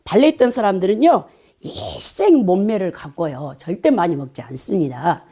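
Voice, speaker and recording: Animated woman preaching a sermon. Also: fairly low pitch, normal speed, breathy edge. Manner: animated storytelling with "eh?" asides. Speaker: pastor.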